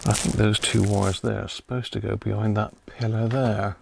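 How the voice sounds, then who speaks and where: A man's voice: lowish voice, flat delivery, moderate pace. A man hosting a live repair stream, muttering casual commentary to himself as he works, with clicks of tinkering behind him. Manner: muttering to himself while working. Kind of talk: casual hands-on commentary while working. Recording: clear background noise with clicks.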